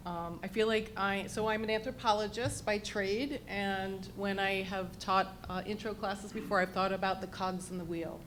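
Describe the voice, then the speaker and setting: A woman's voice: fairly even intonation, moderate pace, hardly any pauses, a bit bright. An American woman leading a conversation at a live event, projecting like a teacher and repeating words for emphasis. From New England, US. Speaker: anthropologist leading an on-stage conversation. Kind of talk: live public conversation, informal introduction. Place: indoor public event venue. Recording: noisy live event with rumble.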